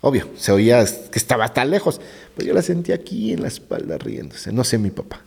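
This middle-aged gravedigger guest has a Mexican accent and a creaky, husky voice, talking a little fast as he animatedly tells ghost stories in conversation. He's a vivid narrator who often lowers into hushed tones, heard through a roomy reverb.

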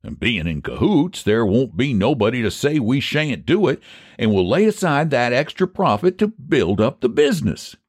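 Guy doing a folksy rural american pie man, big scheming salesman talk, pitched up and really swoopy, storybook style. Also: big pitch swings, moderate pace, slightly rough, no echo, studio quality. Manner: folksy, emphatic, persuasive.

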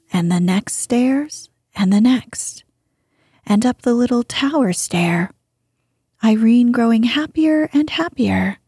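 Slow, breathy woman storyteller. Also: fairly high pitch, no echo, clean studio sound. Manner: hushed, breathy reading. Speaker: audiobook narrator. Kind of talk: storybook narration.

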